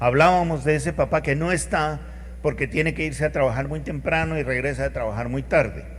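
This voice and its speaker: A man's fairly quick speech is heard with audible room echo. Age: 60s. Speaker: preacher. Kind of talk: sermon.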